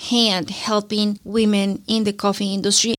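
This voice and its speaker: Speaking with a Spanish accent, a woman holds a fairly high pitch in a flat monotone. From Colombia. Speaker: coffee business owner. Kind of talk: interview testimony.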